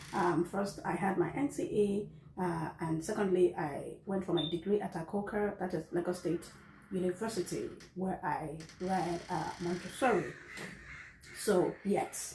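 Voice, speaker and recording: With noticeable background noise behind her, a woman's voice sits at a medium pitch. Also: fairly slow pace. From Nigeria. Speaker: vlogger. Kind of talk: casual Q&A vlog. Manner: animated.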